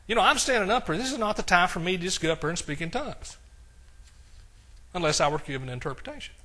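Forceful older preacher with a bright voice. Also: male voice, high voice, expressive, fast. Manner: emphatic, reads scripture aloud with rising force. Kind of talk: sermon.

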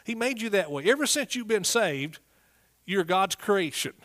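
A man's voice: sits high, animated, moderate pace, fairly bright tone. A middle-aged man with an East Texas accent preaching a sermon in a folksy, emphatic way, prompting listeners as he goes.

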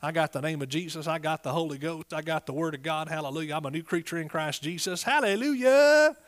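A man's voice: on the high side, quick pace. A middle-aged man with an East Texas accent preaching a sermon in a folksy, emphatic way, prompting listeners as he goes.

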